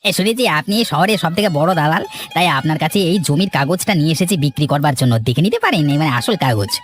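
A man voices a treacherous village con man in a cartoon. He rattles off boasts and wheedling pitches at speed, with music in the background. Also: expressive, fast, fairly bright tone. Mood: boastful, wheedling. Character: cocky, greedy village swindler, smooth-talking and treacherous. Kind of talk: dramatized cartoon villain dialogue.

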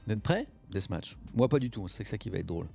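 A man's voice: fairly low pitch, very animated, racing, gravelly, darkish tone, breathy edge, soft background music. A man, chatting casually on a live stream, reacting to chat and mocking himself.

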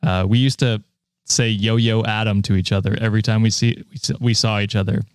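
A man in his relaxed podcast-host mode, lower-pitched and recorded dry and close. He rambles through casual chat, laughs easily and swears without a second thought. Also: quick pace, no echo. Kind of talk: casual chat reacting to a post.

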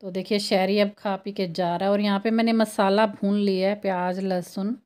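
A woman's voice: mid-range voice, steady tone, moderate pace, darkish tone. A woman in her thirties, a home cooking vlogger, chatting to viewers as she explains each step. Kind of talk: casual cooking voice-over.

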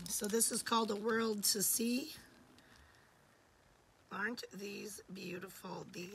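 A woman in her forties hosts a live jewelry sale from her home desk, her voice hoarse and half gone so she keeps slipping into whispers. She speaks slowly and warmly to her viewers. A steady hiss of noise sits under the webcam sound. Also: mid-range voice. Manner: chatty and affectionate, often drops to a whisper. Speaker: jewelry seller hosting a live stream. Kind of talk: live-stream sales chat. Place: indoor home studio.

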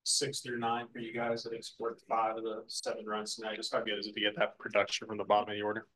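A male sports reporter fires off compact questions at a postgame press conference. He talks quickly with a lowish voice and a bright, forward tone. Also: completely flat delivery, low-quality recording.

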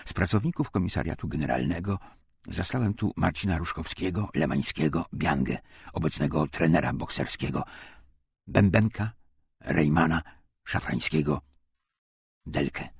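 Deep, gravelly male audiobook narrator. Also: expressive, moderate pace, long pauses, no room sound, clean studio sound. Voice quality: gravelly, husky. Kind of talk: dramatic scripted narration of a wartime memoir.

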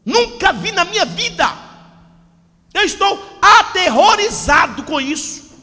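Fervent shouting preacher man in his forties. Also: very high-pitched, very animated, a little slow. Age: 40s. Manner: fervent, often shouting and gesturing with a handheld mic. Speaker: pastor. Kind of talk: impassioned Pentecostal sermon. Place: church hall with a stage backdrop. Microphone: handheld microphone. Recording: long hall reverb.

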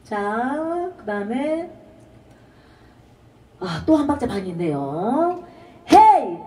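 A woman's voice: a little high, big pitch swings, slow pace, slight background noise. Woman, singing teacher, trot lesson, sings demo phrases, echoey, distant mic. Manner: demonstrates lines by singing, belts short shouts.

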